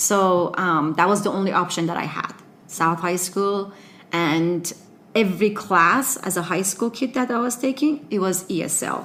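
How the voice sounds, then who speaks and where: With a Persian accent, a woman speaks at a moderate pace and a medium pitch, varying it in an ordinary way. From Iran. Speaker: refugee, immigrant interviewee. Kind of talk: interview, personal story. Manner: halting, with fillers.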